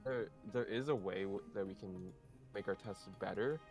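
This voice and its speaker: A man's voice: lowish voice, moderate pace, darkish tone, lo-fi sound, soft background music. A young man coding on a live stream with a friend, explaining each step in a plain, matter-of-fact way. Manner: matter-of-fact, narrates what he is doing. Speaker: co-developer, stream guest. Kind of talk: casual live coding chat.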